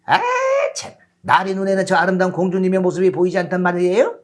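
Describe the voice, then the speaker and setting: A woman's voice: on the low side, steady tone, fast talker, natural voice. A woman voicing Sancho, a knight's loyal, wheedling manservant in a storybook reading, pleading with servile rustic politeness. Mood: urgent, coaxing. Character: wheedling, loyal male squire of a deluded knight.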